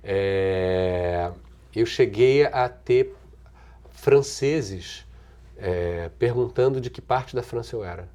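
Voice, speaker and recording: A middle-aged man with a Brazilian accent, an actor and singer answering interview questions thoughtfully, with restarts, trailing pauses and frequent chuckles. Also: lowish voice, dark tone. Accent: Brazilian Portuguese. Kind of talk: relaxed conversational interview answers.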